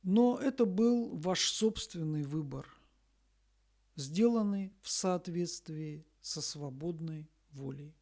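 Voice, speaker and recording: A woman reads a scripted spiritual message in a solemn, deliberate manner, pausing between short phrases. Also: low-pitched, lively intonation, dark tone. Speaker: spiritual messenger reading a message.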